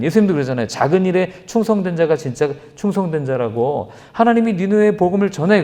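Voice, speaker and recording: A man, a pastor giving an animated Bible lecture, acting out quoted lines in changing voices. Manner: lively, acts out quoted lines with shifting pitch. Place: church.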